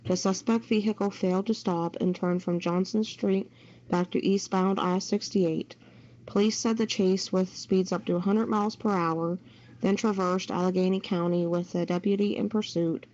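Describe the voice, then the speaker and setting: A woman's voice: on the low side, darkish tone. A woman reading a local news report as a co-presenter, over muffled audio with some noise.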